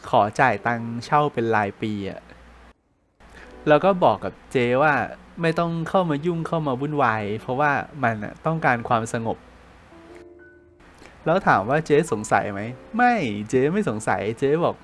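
A man's voice: medium pitch, expressive, moderate pace, a bit bright, faint music behind. A man casually telling a ghost story for a podcast, chatting like a friend with loose slang.

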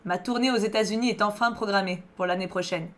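A woman's voice: medium pitch, fast, lightly acted. A woman reading a young male singer's lines. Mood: thoughtful. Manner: plain, calm reading of the text. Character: young male French pop singer, tender lover. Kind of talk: reading visual novel dialogue aloud.

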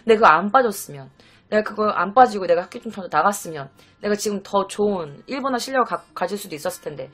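A woman tutoring Japanese in a casual vlog, speaking straight to viewers, chatty and lecturing, swinging from soft asides to loud bursts. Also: medium pitch. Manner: addresses viewers directly, lecturing. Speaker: Japanese-language tutor on a video channel.

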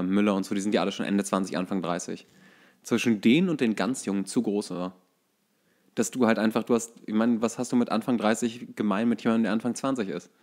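Low-pitched German man, halting talker. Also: darkish tone. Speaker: podcast co-host. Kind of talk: casual football chat.

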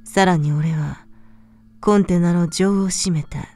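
A woman reading a scripted horror story as narrator, in a calm, measured, soft manner. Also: fairly low pitch.

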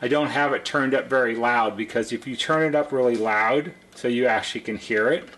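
A man's voice: medium pitch, a little fast, noisy background. A middle-aged man presenting an unscripted how-to demonstration at a workbench, explaining step by step in a plain-spoken way like a repair technician. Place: indoor workshop at a workbench.

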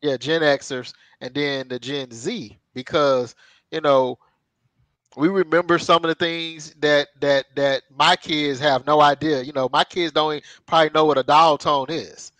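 A man in his thirties co-hosts a casual interview over a video call from a room at home, wearing a headset. He chats loosely and rambles, with plenty of fillers, asides and laughs. His voice is a little high and fairly bright, with fairly even intonation and an unhurried pace; the audio is rough but has no room sound.

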